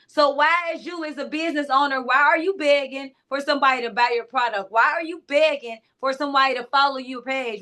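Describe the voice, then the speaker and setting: Loud and naturally high-voiced, a female clarity coach speaks directly to her audience. The talk is motivational, informal, and emphatic, peppered with digressions.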